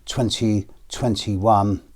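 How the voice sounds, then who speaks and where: Hoarse, deep-voiced British man. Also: little pitch movement, a little mellow. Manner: slow, measured, with pauses and fillers. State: hoarse and coughing after illness. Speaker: astrologer. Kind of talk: personal video to viewers.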